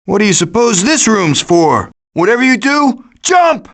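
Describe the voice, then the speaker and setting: A man's voice: high-pitched, sing-song, unhurried, a bit bright, full character voice. A man voicing a cocky, wisecracking raccoon schemer in a video game, with a glib, sarcastic delivery. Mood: cocky, quippy. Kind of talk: animated video game voice acting.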